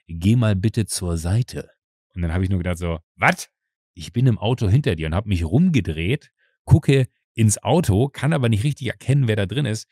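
A man's voice: lowish voice, no room sound, clean studio sound. A man hosting a podcast, telling a long anecdote in casual chat and acting out the voices of the people in it. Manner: animated storyteller acting out quoted voices. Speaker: podcast host.

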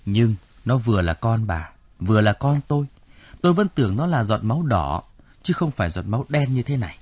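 A man's voice: fairly low pitch, big pitch swings, a little fast, a little mellow, breathy edge. A man doing a weary grieving father. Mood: grave. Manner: sorrowful, stern.

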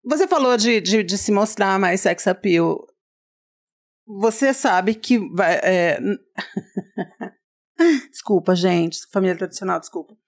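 A woman's voice: medium pitch, animated. A woman hosting a podcast, chatting casually in a studio with a playful, teasing manner. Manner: playful, teasing, quick jokes. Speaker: podcast host. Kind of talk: casual chat.

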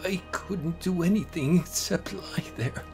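Slow, anguished horror narrator, a woman. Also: fairly low pitch, darkish tone. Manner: theatrical, anguished, deliberate. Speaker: amateur story narrator. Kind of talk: dramatic first-person horror narration. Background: music.

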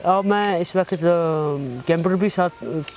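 A young man with a Kashmiri accent speaks in a high voice, earnest and halting, often repeating himself. He is answering questions outdoors, with faint ambience and birds behind him. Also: darkish tone, slight background noise. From Kashmir, India. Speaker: interviewee, mobile phone mechanic. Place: outdoors on a lawn beside a wooden house.

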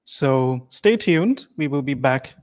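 A man's voice: mid-range voice, animated, slow. A young man moderating a conference session in a lecture hall, thanking the speaker and announcing a break in a formal way.

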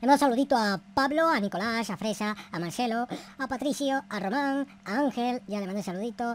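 A woman's voice: a little high, fast talker, slight background noise. A woman hosting a gaming video, giving theatrical, slangy, profane Minecraft roleplay commentary full of exclamations. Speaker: gaming video creator and host.

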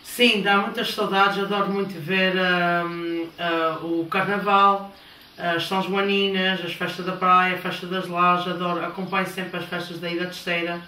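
A woman in her thirties from Canada, answering interview questions with eager, halting replies in a living room. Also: lowish voice, flat delivery, bright, forceful tone. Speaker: interview guest. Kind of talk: casual TV interview. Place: living room of a house, indoors. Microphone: handheld microphone held by interviewer. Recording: roomy, distant, faint background noise.

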